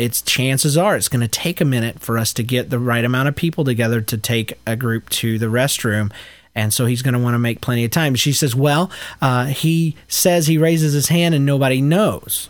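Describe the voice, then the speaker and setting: Against a silent background in a very clean recording, a man with an American accent speaks at a moderate pace in a medium pitch with ordinary pitch variation. It is a plain, everyday voice. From US inner city. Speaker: children's pastor, podcast host. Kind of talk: casual monologue.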